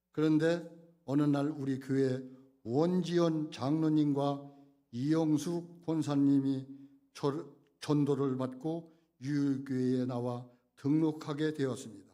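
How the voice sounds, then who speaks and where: With audible room echo, a man with a fairly high pitch and a dark, mellow tone speaks very slowly and with fairly even intonation, leaving long, frequent pauses. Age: 70s. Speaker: church elder. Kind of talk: testimony. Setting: church.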